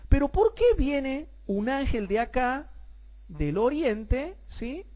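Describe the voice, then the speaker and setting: A man teaching a Bible class, asking rhetorical questions and calling his listeners brothers, and repeating points slowly so everyone follows. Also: extremely high pitch, very animated, a little mellow, lo-fi sound.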